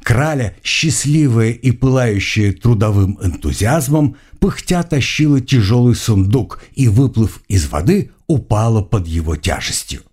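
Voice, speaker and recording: A man's voice: medium pitch, a little slow, hardly any pauses, slightly rough. A man narrating a first-person adventure audiobook expressively. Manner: expressive, shifting voices for dialogue.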